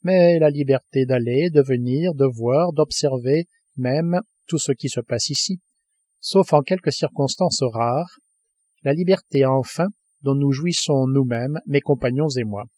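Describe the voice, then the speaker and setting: A man reading the lines of a stern, cold male submarine commander in a grave, measured audiobook voice. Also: mid-range voice, darkish tone, no echo, studio quality, lightly acted.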